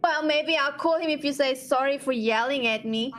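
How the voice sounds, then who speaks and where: A woman with a high voice plays a tabletop game. She sounds whiny and exasperated as she trades lines with the other players. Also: moderate pace, a bit bright. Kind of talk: casual tabletop play.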